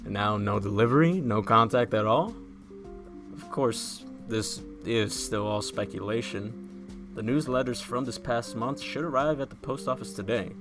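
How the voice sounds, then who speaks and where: An actor playing a serious, measured man with formal, precise wording in an audio drama. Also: medium pitch, music in the background, lightly acted. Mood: serious, uncertain. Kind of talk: acted dialogue in an audio drama podcast.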